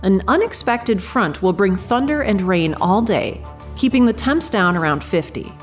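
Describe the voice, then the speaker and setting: Animated radio newsreader played by a woman. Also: mid-range voice, moderate pace, faint music behind, lightly acted. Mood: composed, businesslike. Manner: crisp, formal announcer delivery. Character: composed female local radio newsreader. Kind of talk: scripted radio news bulletin.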